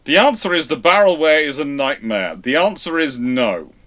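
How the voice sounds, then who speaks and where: A man hosts a live history stream, his voice bright and forward. He talks in an animated way, tossing in quick asides and dry jokes as he answers questions. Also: fairly high pitch. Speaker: naval history channel host. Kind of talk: live Q&A chat.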